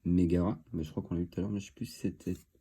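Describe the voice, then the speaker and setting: Low, husky-voiced man with a cold. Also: rapid-fire. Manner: chatty, relaxed, thinking aloud with many fillers. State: stuffy from a cold. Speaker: card-opening video host. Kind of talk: casual commentary while opening card boosters.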